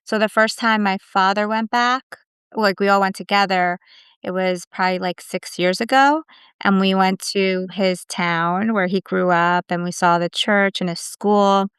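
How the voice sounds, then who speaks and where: Woman guest, reflective storyteller, very smooth and clear voice, dry close mic. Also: mid-range voice, fairly even intonation, measured pace, a bit bright, dry recording. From United States. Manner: reflective, storytelling with many "like" fillers. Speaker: guest, immigration attorney. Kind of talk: casual interview conversation.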